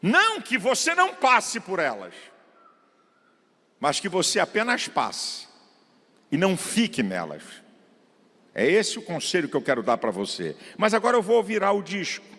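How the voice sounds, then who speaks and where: A middle-aged pastor preaching an emphatic sermon, swinging between shouted peaks and low asides and drawing out key words. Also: male voice, wildly swooping pitch, moderate pace, pauses often. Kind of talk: fiery sermon. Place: large church. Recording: long hall reverb in a church.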